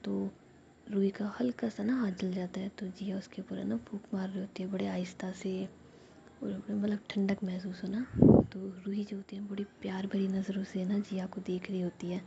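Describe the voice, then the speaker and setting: A woman's voice: mid-range voice, level tone, normal speed, vocal fry, mellow, muffled recording, slight background noise. A woman narrating a love story in a whispered role-play style, rambling with many fillers.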